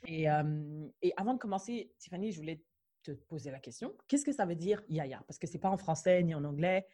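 A young woman from Mauritania with a slight English-influenced French accent, co-hosting a podcast in relaxed chat that switches between French and English. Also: deep voice, brisk. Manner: code-switching, laughs easily. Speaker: podcast co-host.

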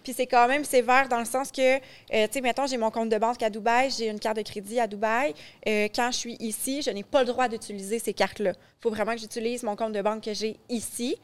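A woman's voice: on the high side, steady tone, a little fast. A woman with a Québécois French accent, a podcast guest chatting casually and explaining things at length. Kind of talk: casual interview chat.

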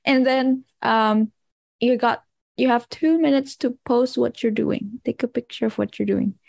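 Young woman, slight indonesian accent, high-ish voice, dry close sound, explaining stuff eagerly. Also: a little slow, creaky, darkish tone, dry recording. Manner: explains things eagerly, laughs, fillers. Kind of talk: casual chat.

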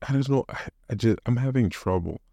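A man's voice: medium pitch, animated, brisk, creaky, mellow, no room sound, clean studio sound. A man in his thirties hosting a solo podcast, talking casually and rambling with many restarts and fillers. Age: 30s. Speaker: podcast host.

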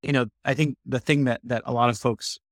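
A man in his thirties, a startup co-founder, answering interview questions quickly and animatedly, with many restarts. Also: mid-range voice, fairly even intonation, dry recording, clean studio sound. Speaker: startup co-founder, podcast guest.

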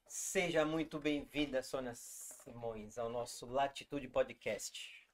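A man's voice: mid-range voice, slow. A man with a Brazilian Portuguese accent hosting a podcast, asking questions in casual conversation. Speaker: podcast host. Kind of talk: casual interview chat.

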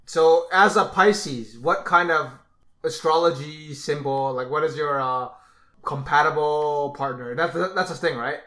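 A man's voice: fairly high pitch, unhurried, pushed and bright. A young man co-hosting a podcast, teasing his friend and asking questions in casual chat. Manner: teasing, questioning, reads items aloud. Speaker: podcast co-host.

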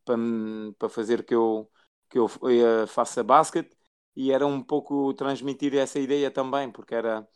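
Halting man, smooth flat voice. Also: medium pitch. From Portugal, raised in France. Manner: halting, many fillers and restarts. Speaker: basketball assistant coach, guest. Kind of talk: interview answers.

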